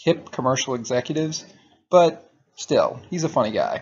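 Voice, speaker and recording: A man speaks with ordinary pitch variation. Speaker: gaming video creator. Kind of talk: angry rant, a riled-up, profanity-laden tirade aimed at celebrity ads. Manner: animated, sarcastic and exasperated, with swearing and punchy emphasis; casual, fast-paced, conversational like talking to friends.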